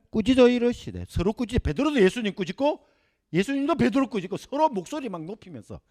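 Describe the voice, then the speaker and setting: A middle-aged male professor gives a Bible lecture. His voice sits high and leaps around expressively. He acts out the scenes vividly for the class. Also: a little mellow.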